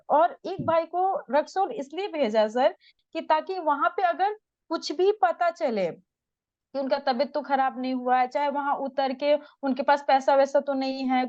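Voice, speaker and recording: Young woman from Bihar, high pitch, dry and slightly dull recording, distressed interview testimony. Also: a little mellow, no room sound. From Bihar, India. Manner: urgent, distressed retelling, addresses the interviewer as sir.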